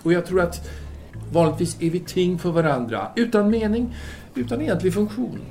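An actor playing a self-assured, philosophizing Parisian intellectual man in an audio drama, with formal, deliberate phrasing. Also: sits high, creaky, a little mellow, faint music behind. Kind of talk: audio drama acting, formal literary dialogue.

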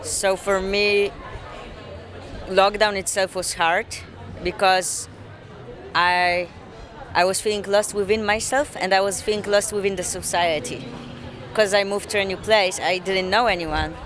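A person outdoors in a city giving a halting, reflective personal account in a street interview. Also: female voice, medium pitch, steady tone, fairly bright tone, a faint crowd.

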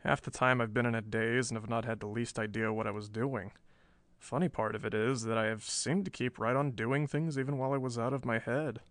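A man's voice: medium pitch, fairly even intonation, a little fast, fairly bright tone, dry recording, natural voice. A man voicing a dazed reporter confessing sheepishly, wry and subdued, in a pulp story reading. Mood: wry, weary.

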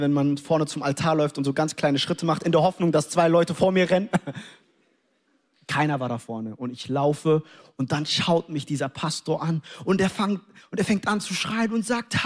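A young adult male preacher from Germany delivers an animated sermon in a fairly high voice. He tells personal stories, acts out the scenes and sprinkles in English interjections.

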